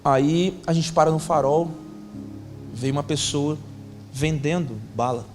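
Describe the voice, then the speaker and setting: A man's voice: fairly high pitch, a little slow. A man, a pastor telling a story in a sermon, acting out the dialogue in casual slang. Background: faint music.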